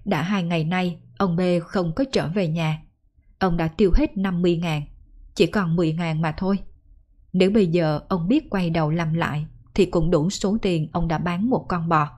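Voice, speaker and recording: Low-voiced woman telling ghost tales. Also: fairly even intonation, moderate pace, a little mellow. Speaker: storyteller. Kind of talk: folk ghost story narration.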